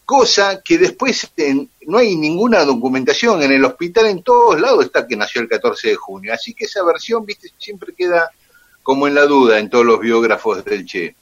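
A man's voice: fairly high pitch, normal speed, lo-fi sound. A man with an Argentine accent, a radio guest telling history in detail with frequent fillers. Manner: detailed, steady, with "eh" and "este" fillers. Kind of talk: storytelling on radio.

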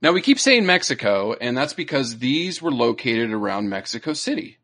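A man's voice: mid-range voice, very animated, moderate pace, sharp tone. A man co-hosting a podcast, explaining animal facts in a loose conversational way, often checking in with "you know" and "right?". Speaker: podcast co-host. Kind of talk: casual educational chat.

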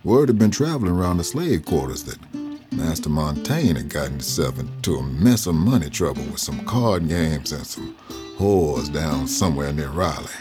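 An actor playing an old freed man from the South who tells his life story slowly and reflectively. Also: extremely low pitch, animated, over music. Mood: reminiscing. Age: older. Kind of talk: audio drama narration.

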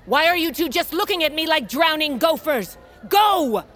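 A woman's voice: sits high, animated, normal speed, a bit bright. An actress playing a stern, middle-aged tribal queen in a fantasy audio drama, speaking in a formal, declamatory and commanding way. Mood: angry. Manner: imperious, declamatory, formal speech.

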